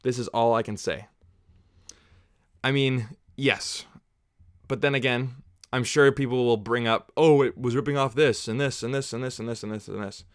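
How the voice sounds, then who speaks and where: Answering viewers during a relaxed movie watch-along livestream, this man from Canada chats and rambles onto tangents. He speaks at a moderate pace in a mid-range, clean-toned voice with fairly even intonation, recorded with clean studio sound and no room noise.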